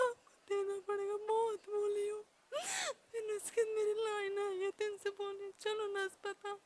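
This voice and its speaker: A woman's voice: very high-pitched, a little hiss or hum. A young woman gives an emotional, pleading personal testimony as a devotee, her voice breaking into tears.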